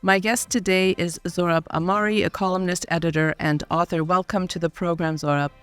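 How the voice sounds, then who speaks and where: A woman hosting a podcast interview, speaking in a measured way with frequent fillers and soft laughs. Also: lowish voice, steady tone, smooth, faint music behind. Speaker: podcast host. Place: university studio.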